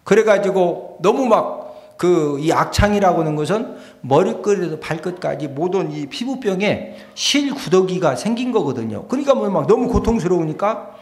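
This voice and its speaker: A male pastor giving a lively sermon in a church, often prodding his congregation for a response. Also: high voice. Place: church sanctuary. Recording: echoey church hall.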